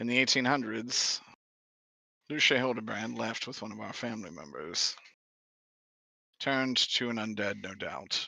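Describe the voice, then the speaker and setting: In a put-on character voice, a man speaks at a moderate pace with a raspy, medium-pitched sound. Long pauses come often. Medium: actual play. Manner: formal, measured.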